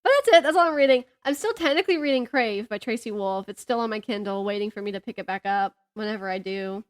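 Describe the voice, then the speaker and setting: A woman's voice: medium pitch, quick pace. A woman in her thirties chatting casually about books as a podcast co-host, giggly and gushing. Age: 30s.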